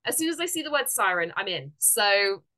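Bright-voiced woman with a stuffy cold. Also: mid-range voice, sing-song, a little fast. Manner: gushing, enthusiastic, laughs often. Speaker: podcast host. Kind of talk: casual interview chat.

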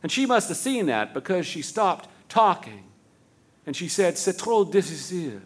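A man telling a story on stage as the show's host, stacking long run-on sentences and slowing to a hush for the tender moments. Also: high voice, big pitch swings. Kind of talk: live storytelling narration.

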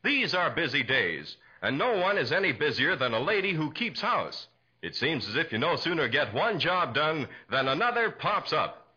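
A man's voice: on the high side, sing-song, normal speed, sharp tone. An American man announcing and narrating a 1940s radio show with emphatic, dramatic salesmanship. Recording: muffled 1940s radio recording.

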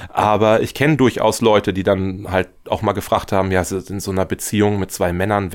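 A man giving reflective interview answers as a guest, thoughtful and often searching for his words. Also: lowish voice. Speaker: radio play writer, interview guest.

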